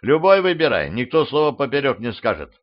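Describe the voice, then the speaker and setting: A man voicing a gruff, commanding middle-aged boyar warrior in an audiobook, mocking and bold in manner. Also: mid-range voice, sing-song, fairly quick, pitched above the performer's own voice, natural voice. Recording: slightly dull lo-fi audio.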